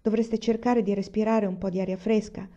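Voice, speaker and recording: A woman voicing a calm, gentle pioneer mother in a read-aloud story, speaking softly. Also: medium pitch, a little fast, muffled recording, natural voice. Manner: soft and soothing.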